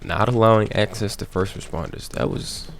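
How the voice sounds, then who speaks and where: A man's voice: lowish voice, steady tone, normal speed, creaky, slight background noise. A man giving casual, slangy, grumbling commentary as he plays through a video game. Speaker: gaming video host. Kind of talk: casual blind playthrough commentary. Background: video game audio.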